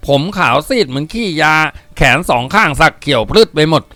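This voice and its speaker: A man's voice: on the high side, animated, fairly quick, pushed and bright, no echo, pitched above the performer's own voice. A man voicing a talkative hired boatman who rambles defensively through his explanation, as part of an audiobook reading.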